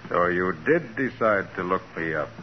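An actor playing a cool, tough private detective, wry and composed, in a 1940s radio crime drama. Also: male voice, deep voice, expressive, normal speed. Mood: weary. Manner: wry, composed, matter-of-fact. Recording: muffled, hissy 1940s radio recording.

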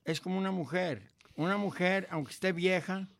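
Gravelly joking Mexican man. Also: high voice, moderate pace. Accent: Mexican Spanish. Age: older. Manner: joking, boastful storyteller. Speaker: guest musician. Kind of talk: casual chat.

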